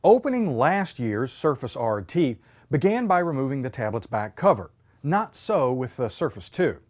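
A man in his thirties presents a scripted hardware teardown in a clear, emphatic voice. His pitch moves a lot as he stresses key points, sitting at a mid height for a man. He is recorded on a small indoor studio set. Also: very animated, normal speed, a little mellow. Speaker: tech show host.

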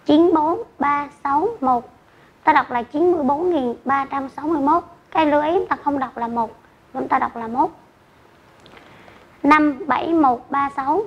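A woman teacher giving an online math lesson to children, speaking slowly and carefully and reading out numbers digit by digit. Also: high voice. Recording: dull lo-fi recording with faint noise.

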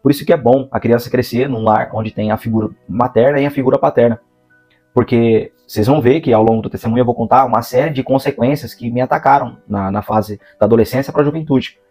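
A man's voice: mid-range voice, darkish tone. A man in his thirties from the São Paulo interior with a Brazilian Portuguese accent, giving an earnest religious testimony to camera on a lapel mic, drawing out key words for emphasis. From Brazil, interior of São Paulo state. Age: 30s. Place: indoor room, seated in a gaming chair. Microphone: clip-on lapel mic.

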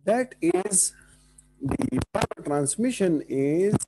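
A man's voice: high-pitched, lively intonation, slow, dark tone, a little hiss or hum, rough recording. A man with a South Asian accent giving an engineering lecture, mixing Hindi-Urdu phrases into English and often checking understanding with short questions. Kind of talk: classroom lecture with board working and questions to students.

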